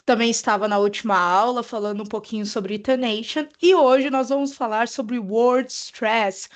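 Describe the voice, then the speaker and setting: A woman's voice: fairly high pitch, moderate pace. A woman teaching an English pronunciation lesson, explaining patiently and checking in with "ok?".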